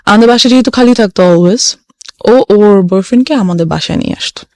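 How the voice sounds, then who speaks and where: Casting note: young woman, mid pitch, earnest confessional storyteller, dry close mic. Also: fairly quick, a little mellow, no room sound. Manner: earnest, mixes English phrases into her talk. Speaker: guest telling her life story. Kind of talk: personal storytelling.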